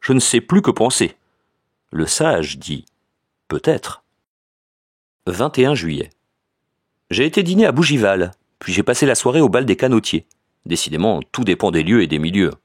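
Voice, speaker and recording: A man narrates a classic tale in a low, expressive voice that moves a lot in pitch. The reading is measured and literary. The recording is dry and close, with no room sound. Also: dry recording. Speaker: audiobook reader. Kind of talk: audiobook narration.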